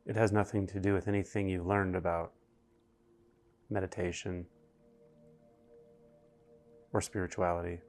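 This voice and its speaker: A man guiding a meditation, speaking slowly and deliberately with long pauses between phrases. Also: low-pitched, flat delivery, a little mellow, faint music behind. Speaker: meditation guide. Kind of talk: guided meditation narration.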